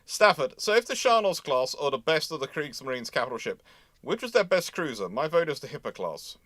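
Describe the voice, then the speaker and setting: A man's voice: fairly high pitch, sing-song, brisk, fairly bright tone, no room sound. A man hosting a casual live history discussion, giving opinionated, rambling explanations. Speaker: host of a live question and answer show.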